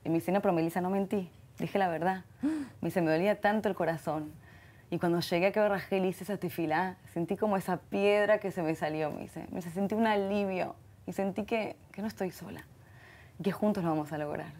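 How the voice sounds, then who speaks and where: A middle-aged woman with an Argentine Spanish accent, a guest in an interview who speaks in an expressive way, often repeating herself. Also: on the low side, fairly quick. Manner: warm and expressive, many repeated words and Hebrew terms. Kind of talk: heartfelt conversational interview.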